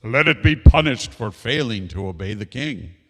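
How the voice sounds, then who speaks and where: A man voicing a proud, commanding storybook king with loud, drawn-out regal delivery in an echoey hall. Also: medium pitch, big pitch swings. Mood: angry, demanding. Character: proud, commanding King Solomon, quick to anger. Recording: echoey hall with long reverb.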